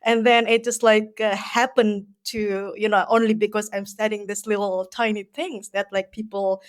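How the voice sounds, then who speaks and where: A woman from Indonesia talks in an easy, casual way as a guest on an interview show. Her speech wanders and is full of "you know" and "like". Her voice sits at a middle pitch. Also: little pitch movement, moderate pace. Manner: chatty, many fillers like "you know, like". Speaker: guest, herpetologist.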